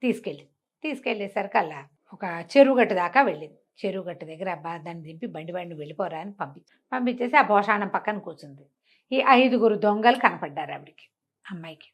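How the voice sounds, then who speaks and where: An older woman telling a village folk tale, slipping into the characters' voices as she goes. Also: fast. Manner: acts out characters' lines with lively pitch swings. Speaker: storyteller. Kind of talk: animated folk-tale narration.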